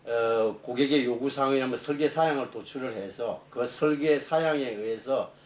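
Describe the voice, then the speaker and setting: A middle-aged man, a professor being interviewed, explaining technical matters off the cuff in a halting way. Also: medium pitch. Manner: halting, explanatory, rephrasing as he goes. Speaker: engineering professor, interview guest. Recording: echoey room, distant mic, faint noise.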